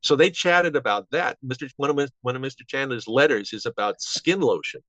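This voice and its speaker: A man in his seventies reminiscing casually as an interview guest, halting and rambling with false starts. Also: mid-range voice, a bit bright, no room sound. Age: 70s. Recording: dull, band-limited audio.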